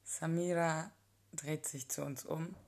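A woman narrating a first-person erotic story in a calm, intimate storytelling manner. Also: low-pitched, takes it slowly.

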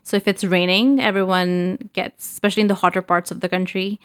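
A woman's voice: mid-range voice, little pitch movement, brisk, a bit bright, dry recording, studio quality. A young woman from Pakistan answering interview questions in a casual, thoughtful way, with many fillers and restarts. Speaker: guest.

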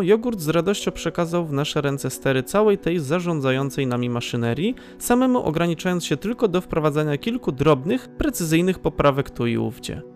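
A man narrates a scripted audio drama in a slightly high voice. Faint music plays behind his narration.

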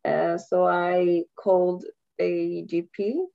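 A young woman speaks English, her voice mellow and rounded. She chats loosely, laughing and letting sentences trail off. The sound is dull and lo-fi. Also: on the low side, level tone, takes it slowly, gravelly. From Costa Rica. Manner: chatty, laughs often, trails off mid-sentence. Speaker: guest, university student. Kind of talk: casual interview chat. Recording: dull lo-fi audio.

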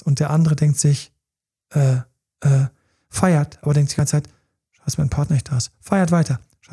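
A man with a fairly high, warm, husky voice chats casually about relationships as a coach on a podcast. He acts out partners' pleas in character and now and then drops to a whisper.

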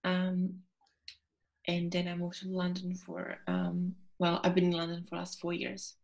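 Young Czech-accented woman, gravelly and flat. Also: lowish voice. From Czech Republic. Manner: quick, chatty, many fillers like "um" and "like". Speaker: guest, author and performer. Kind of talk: interview conversation.

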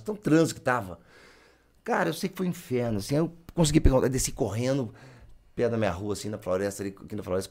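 A man's voice: medium pitch, vocal fry, darkish tone. A Brazilian man, telling a story in casual chat and acting out the lines he quotes.

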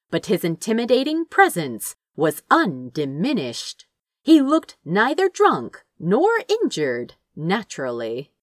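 A woman reading fiction aloud as an expressive, theatrical narrator with deliberate phrasing. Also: mid-range voice, no echo, studio quality. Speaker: audiobook reader of fan fiction. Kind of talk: expressive dramatic scripted narration.

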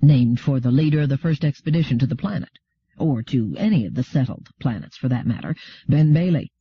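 A man's voice: mid-range voice, expressive, brisk, husky. A man voicing a brash, cheeky, well-travelled settler trader in an audiobook, laconic and self-assured. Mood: matter-of-fact. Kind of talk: audiobook character dialogue. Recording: roomy, dull lo-fi audio.

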